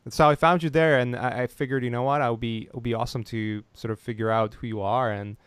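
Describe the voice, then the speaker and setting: A man's voice: medium pitch, fairly even intonation, quick pace, clean tone, dry recording. A man hosting a casual interview over a call, talking with many restarts and fillers and laughing easily. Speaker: podcast host.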